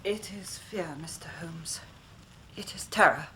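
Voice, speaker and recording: A woman's voice: fairly low pitch, unhurried, a little hiss or hum, rough recording. A frightened woman. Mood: fearful. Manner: trembling, urgent, often hushed. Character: frightened young woman seeking help. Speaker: actress in radio drama. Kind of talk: radio drama acting.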